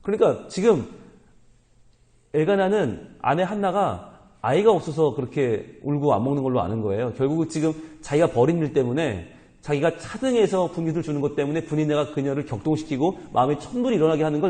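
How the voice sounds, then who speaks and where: A male pastor preaching a sermon, animated and humorous, asking the congregation questions and telling them to mark their Bibles, recorded in a reverberant hall. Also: a little high, fast.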